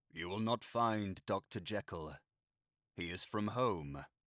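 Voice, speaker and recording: A husky, put-on character voice moves at a fairly slow pace. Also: man, fairly low pitch for a man. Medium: read story. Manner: guarded, menacing.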